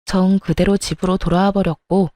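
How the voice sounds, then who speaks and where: Mellow woman narrating a story. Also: medium pitch, level tone, moderate pace, no echo, clean studio sound. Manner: fierce when voicing her own angry retorts.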